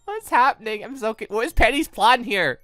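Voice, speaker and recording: A woman's voice: a little high, expressive, fairly quick, a bit bright, dry recording, clean studio sound. A woman giving casual, rambling let's play commentary on a visual novel, reacting aloud and often giggly. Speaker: gaming channel host playing a visual novel. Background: game music.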